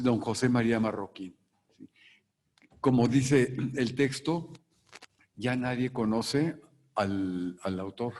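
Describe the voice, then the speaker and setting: A Mexican man presenting a book to an audience, talking deliberately and tagging his points with a questioning word. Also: medium pitch, darkish tone. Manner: deliberate, tags lines with a questioning "sí". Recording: long hall reverb.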